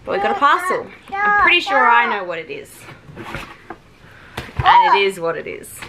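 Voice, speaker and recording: At home with children nearby, a woman reviews a product in a chatty, relaxed way, using many "like" fillers. Her voice is a little high and her pace moderate, and the home recording is clearly noisy.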